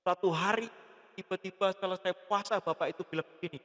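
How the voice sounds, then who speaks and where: A man with a high voice preaching to a congregation, his words ringing through a long church reverb. He tells his story with lively energy and acts out every line of dialogue. His delivery is that of a seasoned pastor. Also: quick pace. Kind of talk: sermon with storytelling. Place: large church hall.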